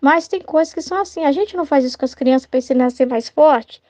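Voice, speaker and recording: A woman's voice: high-pitched, fast talker, a little mellow, no room sound. A Brazilian woman leading an informal devotional study, chatting casually and tagging her sentences with "né?". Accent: Brazilian Portuguese. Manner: chatty, tags sentences with "né?", acts out everyday dialogue. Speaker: religious study teacher and child tutor. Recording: dull lo-fi dry sound.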